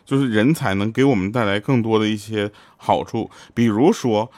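A man hosting a casual comic show, telling funny workplace stories and jumping into high voices when he quotes people. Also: steady tone, moderate pace, background noise.

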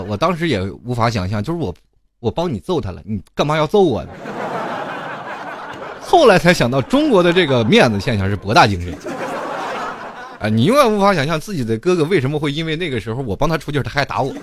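A man's voice: mid-range voice, big pitch swings, quick pace, noisy background. A young man, giving a comedic monologue full of rhetorical asides and chuckles. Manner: rhetorical asides, chuckling while telling stories. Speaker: host.

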